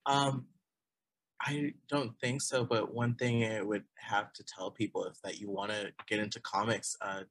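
A man's voice: on the low side, fairly even intonation, unhurried, a bit bright, no echo, low-quality recording. A man in his twenties, a guest chatting casually and loosely with many fillers. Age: 20s. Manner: rambling, filler-heavy, laughs often. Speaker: guest artist. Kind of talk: casual conversation.

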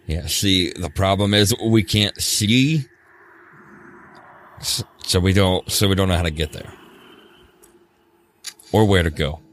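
A man's voice: deep voice, slow pace, pauses often, slight background noise. A man playing in a tabletop game, talking in a hesitant, cautious way. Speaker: player. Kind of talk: casual chat at a game table.

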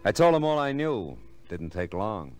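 An actor playing a wry, curious hard-boiled private eye in an old radio detective drama, with clipped, slangy delivery. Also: male voice, on the low side, big pitch swings, normal speed, darkish tone, soft background music. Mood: wry narrating.

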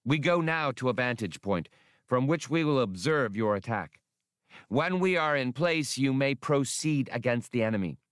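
A man voicing a stern, ruthless official who commands a robot army, formal and deliberate, in a science fiction audiobook. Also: medium pitch, lively intonation, a bit bright, clean tone, dry recording, studio quality, voice pushed up, close to an everyday voice.

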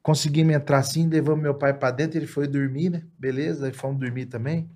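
Brazilian male singer, a lively, laughing storyteller with a slightly high voice. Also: quick pace. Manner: animated, laughing, acts out the people in his stories. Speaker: singer and guest. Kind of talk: storytelling in casual chat.

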